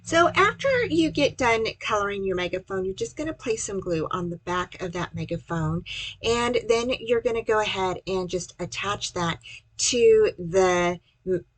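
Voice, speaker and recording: A woman's voice: medium pitch, moderate pace, no room sound, poor audio. A woman giving casual, chatty step-by-step instructions in a folksy way, as the host of a craft tutorial.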